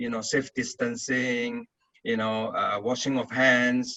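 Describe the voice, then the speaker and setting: Speaking at a fairly slow pace, a man uses a medium pitch and monotone, flat intonation, his tone bright and sharp, with a dry, close sound and no echo. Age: 60s. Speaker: franchise consultant. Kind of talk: webinar presentation. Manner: hesitant, many fillers.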